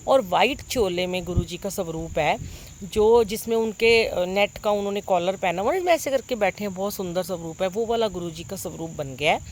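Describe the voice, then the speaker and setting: A middle-aged woman telling a congregation about a dream. She sounds full of wonder and earnest, with lots of pauses and fillers, recorded on a phone propped nearby. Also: mid-range voice, a little hiss or hum. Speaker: devotee sharing a dream with a congregation. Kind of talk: devotional storytelling.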